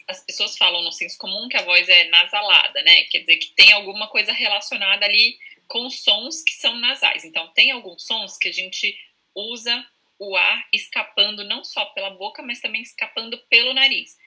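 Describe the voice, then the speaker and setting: A Brazilian woman speaks with a strikingly bright, forceful tone, her pitch sitting in an ordinary middle range. As a speech therapist she explains patiently and pronounces sample sounds aloud to show them. She talks over a video call. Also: normal speed, rough recording. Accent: Brazilian Portuguese. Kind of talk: explanatory interview answers.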